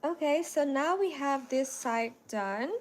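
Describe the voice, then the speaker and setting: A woman in her thirties chatting casually with viewers in a relaxed, talkative way, often saying "you know" and "like". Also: high-pitched, slow pace. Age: 30s. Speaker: content creator. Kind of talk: casual livestream chat answering viewers.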